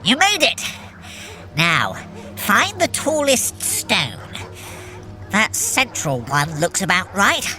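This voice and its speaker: A woman's voice: medium pitch, sing-song, slow pace, pauses often, pushed and bright, faint music behind, heavily acted. A woman playing a scheming trickster god in an audio drama, grandiose and self-satisfied, talking straight to the listener. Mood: encouraging, pleased.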